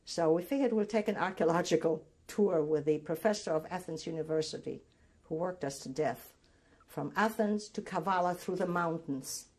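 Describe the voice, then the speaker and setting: Older woman from Greece, first language Greek, oral history interviewee; low, raspy voice, halting recollection. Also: darkish tone. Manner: reminiscing, halting with restarts.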